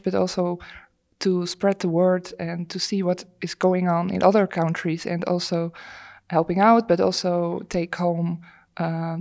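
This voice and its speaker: Slightly low-voiced Dutch woman. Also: darkish tone. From Netherlands. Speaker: project ambassador. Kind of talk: informal panel talk.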